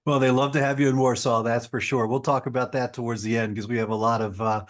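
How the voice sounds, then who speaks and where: A man's voice: mid-range voice, little pitch movement, fast talker. A man hosting a podcast interview, an orthopedic surgeon who talks in an enthusiastic, effusive, promotional way.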